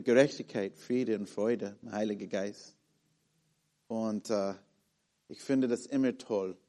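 A man in his thirties with an American accent, preaching in a halting way with many fillers and restarts as he searches for words. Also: fairly low pitch, warm tone. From born in Malaysia, raised in the USA and the Philippines. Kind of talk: sermon with personal story.

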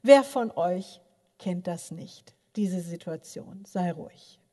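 An older woman giving a sermon, telling personal stories in an animated way with many filler sounds and speaking straight to her listeners. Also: fairly low pitch, slow. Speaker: preacher. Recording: long reverb of a large hall.

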